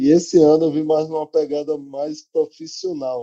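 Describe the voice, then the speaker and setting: This man's voice is fairly high-pitched with a dark, mellow tone and a monotone, flat intonation. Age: 20s. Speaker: startup founder. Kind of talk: interview.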